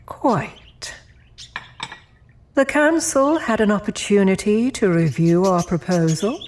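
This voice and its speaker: A woman playing a genteel, imperious female demon in an audio drama, speaking formally with cool, measured politeness. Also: medium pitch, lively intonation, a little mellow, slight background noise. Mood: amused, genteel.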